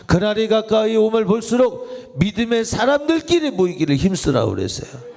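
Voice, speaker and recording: A man's voice: sits high, sing-song, normal speed, gravelly, darkish tone. A man, a pastor, preaching a sermon in a church, with a conversational style and direct questions put to listeners. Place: church sanctuary.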